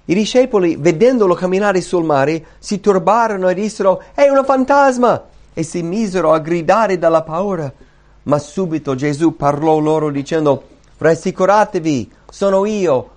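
A man preaching a sermon in animated storytelling style, acting out Bible scenes and repeating key phrases for emphasis. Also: a little high.

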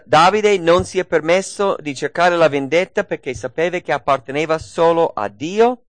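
A man's voice: on the high side, no room sound. A man preaching a sermon, repeating key phrases and asking rhetorical questions.

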